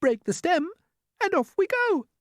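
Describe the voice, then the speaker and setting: A kind, fussy lady ladybird chatters in a very high, lilting voice, put on by a woman reading aloud. She stumbles over words now and then. The sound is dry and close. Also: sing-song, unhurried, no echo, full character voice. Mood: gentle. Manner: gentle, chatty, stammering on words. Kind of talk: storybook reading.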